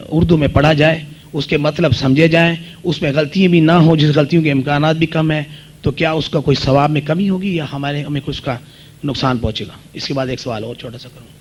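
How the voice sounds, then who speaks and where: A man's voice: fairly high pitch, fairly even intonation, dull audio, slight background noise. Polite, deferential male questioner on old tape. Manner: polite, deferential, long-winded. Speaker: audience questioner. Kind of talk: asking a question after a lecture.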